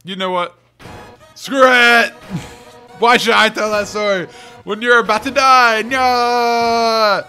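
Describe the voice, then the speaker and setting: Man plays righteous warrior villainess for a game: bright, forceful, declamatory, music behind. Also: very high voice, fairly even intonation, slow pace, clear, resonant tone, pitched above the performer's own voice, exaggerated voice. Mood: furious outburst. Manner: grand, accusing, declamatory. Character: fierce, righteous female monster warrior villain, hot-tempered.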